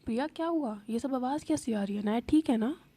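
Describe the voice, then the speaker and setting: A woman's voice: fairly high pitch, fairly quick, dark tone, husky, no room sound. A woman voicing a strict, concerned woman professor who speaks in stern, clipped commands.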